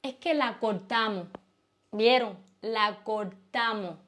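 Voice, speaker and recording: A young woman with a Cuban accent, vlogging from home in a playful, teasing way. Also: medium pitch. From Cuba. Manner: playful, fast, teasing, lively. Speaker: YouTuber. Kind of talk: casual vlog to camera.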